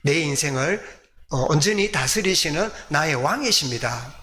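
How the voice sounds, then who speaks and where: A man's voice: a little high, expressive, normal speed, bright, forceful tone. A man from South Korea preaches as a pastor, teaching by putting questions to the congregation and answering them himself. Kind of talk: sermon with rhetorical questions to the congregation. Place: church service.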